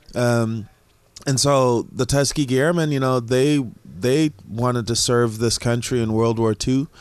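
A plain, everyday voice from a man at medium pitch, with a fairly slow pace, very even loudness and fairly even intonation. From Jamaica, raised in Boston. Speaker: museum founder, pilot, mentor. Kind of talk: interview conversation.

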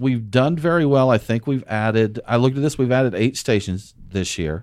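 A man speaks at a medium pitch. It is a normal speaking voice. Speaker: beer podcast co-host. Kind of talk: casual chat. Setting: studio.

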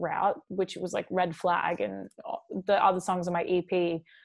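A woman speaks with an Australian accent. Her pitch sits in the middle range. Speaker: singer-songwriter. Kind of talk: casual interview. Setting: remote call. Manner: animated.

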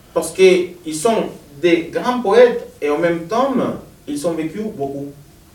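Very slowly and with very wide pitch swings, a man speaks over noticeable background noise. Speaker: novelist. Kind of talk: author talk at literary event. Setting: stage with audience. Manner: halting, many repetitions.

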